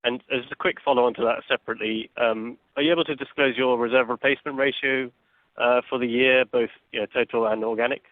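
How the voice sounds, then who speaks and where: A man's voice: mid-range voice, steady tone, quick pace, no echo. A man, a financial analyst, putting polite questions to executives on an earnings call. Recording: dull, dry call audio.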